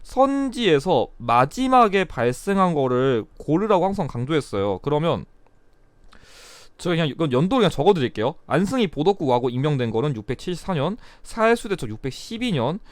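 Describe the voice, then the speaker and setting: Still getting over a cold, a young history exam tutor runs through a review session in a frank, conversational way. The recording is dry and his voice sits slightly high.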